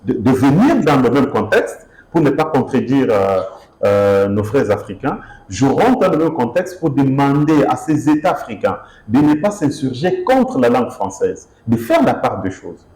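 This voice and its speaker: A man's voice: mid-range voice, moderate pace, echoey room, low-quality recording. A man from Kinshasa answering interview questions as an author, speaking emphatically with many fillers and restarts. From DR Congo, Kinshasa. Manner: expressive, emphatic, repeats himself with fillers.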